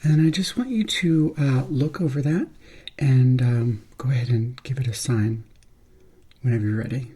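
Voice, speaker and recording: A soft-spoken man doing an ASMR roleplay in an unhurried, reassuring manner. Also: medium pitch, breathy edge. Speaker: ASMR performer playing a substitute surgeon.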